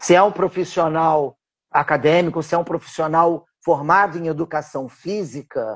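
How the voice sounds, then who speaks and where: A man's voice, fairly high-pitched, with ordinary pitch variation and a normal speaking voice. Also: moderate pace. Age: 60s. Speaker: dance teacher. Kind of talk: interview. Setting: live stream interview.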